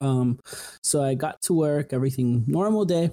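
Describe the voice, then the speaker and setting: Heard dry and close with no echo, a man with an American accent speaks at a fairly high pitch in a dark, mellow tone. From California, San Fernando Valley. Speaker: podcast co-host. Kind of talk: casual chat.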